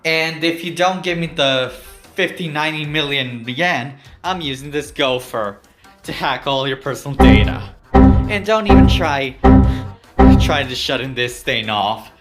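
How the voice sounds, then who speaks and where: A man's voice: fairly high pitch, a little slow, over music, lightly acted. A man voicing a gloating, taunting young villain hacker in a fan parody cartoon dub. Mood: smug threatening.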